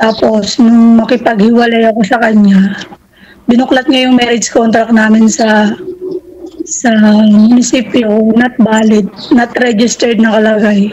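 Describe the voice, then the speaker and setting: Speaking at a fairly slow pace, a woman keeps a fairly even intonation at a fairly high pitch. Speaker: caller on live dating show. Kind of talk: casual chat.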